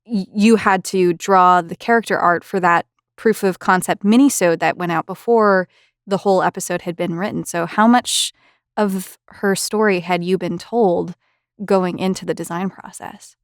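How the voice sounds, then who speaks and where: A woman's voice: fairly low pitch, steady tone, moderate pace, no room sound, clean studio sound. A woman conducting a casual interview as the interviewer, asking questions and chatting about the work. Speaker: interviewer, voice actor.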